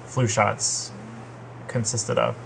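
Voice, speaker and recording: Man, sick with a cold, gravelly fry, rambling, hesitant, casual call chat, faint background noise. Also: lowish voice, level tone, slow, poor audio. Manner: hesitant, rambling, many ums. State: sick with a cold, sore throat. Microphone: remote call.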